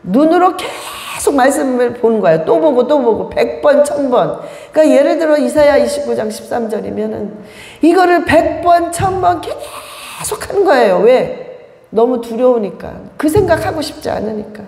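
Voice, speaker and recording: A middle-aged woman with a high, gravelly voice gives an emotional church testimony. She acts out the voices of people in her story. Her voice rings with the long reverb of a church hall. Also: lively intonation, moderate pace, a little mellow. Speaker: gospel singer giving testimony.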